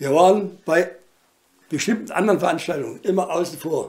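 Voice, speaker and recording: High-pitched male speech with ordinary pitch variation. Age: 80s+. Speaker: contemporary witness, former army officer. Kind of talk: oral history interview. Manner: halting, with repeated words.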